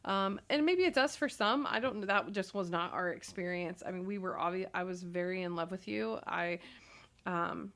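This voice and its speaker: A woman in her thirties co-hosting a casual marriage advice talk, agreeing often and filling pauses with ums. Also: on the low side, fairly bright tone. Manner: agreeable, frequent affirmations and ums. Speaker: podcast co-host.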